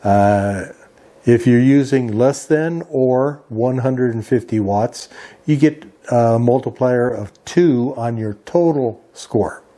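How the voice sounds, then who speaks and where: A man with a relaxed, mellow voice presents an informational rundown. He works methodically through each item in a plain, explanatory manner, like a hobby host reading from notes. His pitch sits in an ordinary middle range. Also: slow pace. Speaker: amateur radio video host.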